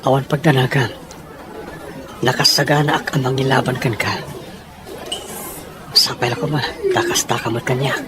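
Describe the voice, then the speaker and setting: A man's voice: mid-range voice, steady tone, moderate pace, pauses often, natural voice. Earnest young Filipino boyfriend, acted by a man, noisy background. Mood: earnest, reassuring. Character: devoted, reassuring young boyfriend, male. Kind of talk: radio drama acting. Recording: noisy ambience with clinking. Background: crowd-like noise, clinks.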